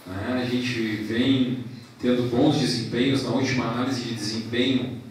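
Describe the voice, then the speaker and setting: A man in his forties, president of a professional council, giving a formal ceremony speech into a handheld mic in a large hall. He speaks in a measured way, listing thanks and points with pauses. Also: mid-range voice, fairly even intonation, a little hiss or hum. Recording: echoey hall from a distance.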